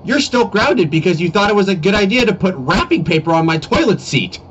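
Stern, easily exasperated animated dad, played by a man, lively intonation, dull webcam sound with light hiss. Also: high voice, a little fast. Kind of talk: amateur comedy animation voice-over. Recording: muffled, noisy cheap webcam mic.

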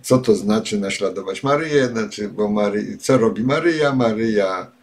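Older male commentator, lowish voice, halting delivery full of filler sounds, home webcam. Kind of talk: spoken commentary with read-out passages. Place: home study with bookshelves, indoors.

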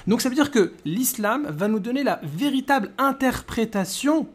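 A man's voice: very high voice, expressive, normal speed, slightly rough. A man in his thirties giving a conversational rebuttal as a video host, with mocking, rhetorical questioning. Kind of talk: conversational rebuttal commentary to camera.

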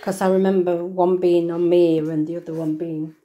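A woman's voice: lowish voice, flat delivery, fairly quick, dull audio. A woman chatting casually at home, chipping in with short remarks from off camera. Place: room at home, indoors.

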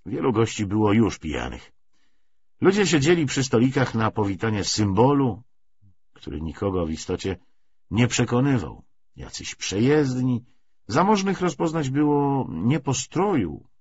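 Low, husky male audiobook narrator. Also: no room sound. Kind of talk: scripted literary narration. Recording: dull, muffled lo-fi recording.

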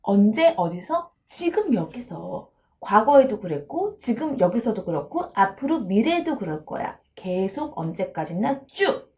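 Lively, playful woman psychologist. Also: mid-range voice, unhurried. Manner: playful, expressive, acts out dialogues. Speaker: counseling psychologist. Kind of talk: video lecture on self-esteem.

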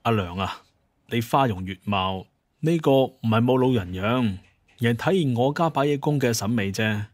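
An actor playing a placating, smooth-talking grown son and head of household in an audio drama. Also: male voice, mid-range voice, normal speed, no echo, studio quality, close to an everyday voice. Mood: coaxing. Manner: coaxing, flattering.

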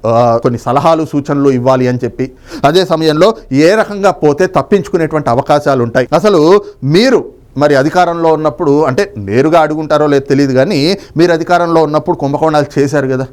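A man's voice: on the high side, a little mellow, clear, resonant tone. A man giving political commentary as an analyst, speaking emphatically in long winding sentences with rhetorical questions.

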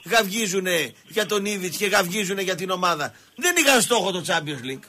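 Male radio sports host, high bright voice, blunt and scolding. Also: animated, slight background noise. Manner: blunt, scolding, keeps repeating short commands. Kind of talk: heated radio sports talk. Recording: call-in radio studio.

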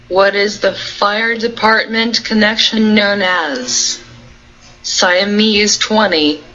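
Slow bright-voiced woman reading questions. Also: mid-range voice, dull audio. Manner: slow, flat reading of numbered items. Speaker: narrator reading interview questions and answers. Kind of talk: reading a numbered question list aloud.

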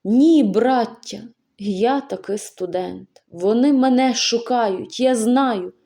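A woman voicing a desperate young male student who pleads loudly and insistently, in an audiobook reading. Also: on the high side, takes it slowly.

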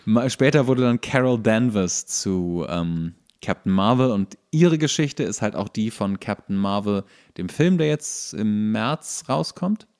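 A man co-hosting a podcast in casual chat, explaining things in a halting, searching way. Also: on the low side, expressive, a little mellow, smooth. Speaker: podcast co-host.

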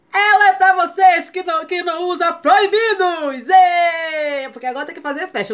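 Brazilian woman, young adult, very high voice, tongue-tied delivery that trips on words, playful casual vlog reviewer. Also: a bit bright. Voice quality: tongue-tied speech impediment, stumbles on hard words. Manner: playful, stumbling over words. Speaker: hair product reviewer. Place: small bedroom, indoors.

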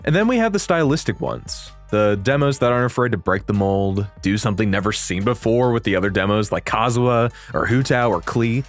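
A young man giving casual, excitable reaction commentary on game videos, slangy and sweary. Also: medium pitch, a little fast. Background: faint music.

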